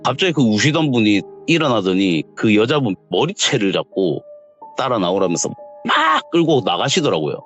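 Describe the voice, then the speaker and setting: A young man tells a true ghost story in a low voice that rises and falls with lively, expressive intonation. His delivery is casual and conversational, turning quietly dramatic. The recording is dull and lo-fi, with soft music running faintly underneath. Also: moderate pace. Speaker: guest storyteller.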